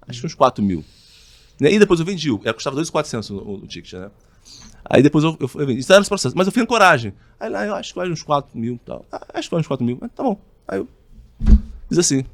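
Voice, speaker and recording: A man's voice: mid-range voice, dry recording. A man telling a sales story as a podcast guest, acting out both sides of the conversation. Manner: animated, acts out both sides of dialogues. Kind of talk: casual storytelling in an interview.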